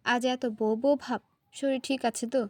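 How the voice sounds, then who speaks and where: A woman voicing a patient young husband who teases his wife gently in a read-aloud story. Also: on the high side, steady tone, moderate pace, no room sound, natural voice. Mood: teasing. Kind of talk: storybook reading.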